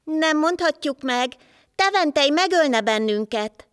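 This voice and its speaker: Woman playing a sly chorus of storybook jackdaws, bright and high. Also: animated, no room sound, clean studio sound. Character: flock of frightened, crafty jackdaws.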